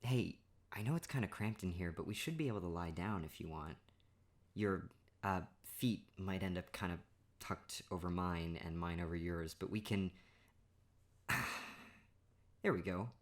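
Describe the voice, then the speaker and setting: Young man, low deep voice, playful, teasing, laughs a lot, ASMR roleplay. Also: measured pace. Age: young adult.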